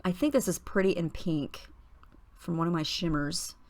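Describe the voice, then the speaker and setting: A woman in a husky morning voice, chatting casually through a voice-over of her scrapbooking process, relaxed, with small fillers and restarts. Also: lowish voice, moderate pace. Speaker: scrapbooking tutorial host.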